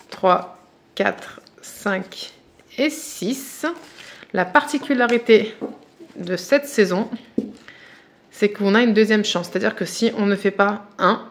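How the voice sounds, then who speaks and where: A French woman chatting casually and eagerly to her viewers about budget challenges as she unboxes them, with many fillers and restarts, and tired. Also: medium pitch. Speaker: budgeting vlogger.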